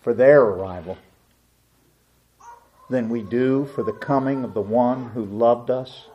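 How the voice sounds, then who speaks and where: A middle-aged man preaching a sermon as a pastor, telling a family story with lively acted-out voices. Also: mid-range voice, a little slow, lo-fi sound.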